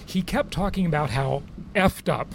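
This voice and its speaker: A man's voice: a little high, normal speed, slight background noise. A man hosting a podcast, telling a travel story in a chatty way, laughing often, then interviewing a guest. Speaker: podcast host. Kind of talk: casual monologue and interview. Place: aboard a cruise ship.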